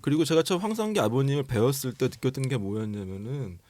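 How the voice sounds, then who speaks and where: Give me a measured male director in an interview, close and dry. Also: medium pitch, expressive, darkish tone, no echo. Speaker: film director.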